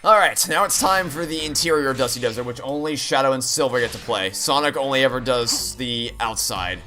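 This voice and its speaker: Speaking briskly with a sharp edge at medium pitch, this man livestreams a video game. His casual chat and game commentary wander freely, peppered with dry sarcasm, while game music runs in the background.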